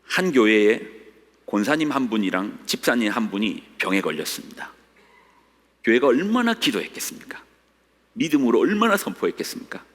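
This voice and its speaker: A man's voice: mid-range voice, sing-song, fairly quick, fairly bright tone. A middle-aged male pastor preaching a sermon, dramatically voicing the complaints of the faithful with rising cries. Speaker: senior pastor. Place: church sanctuary. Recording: long reverb of a church hall.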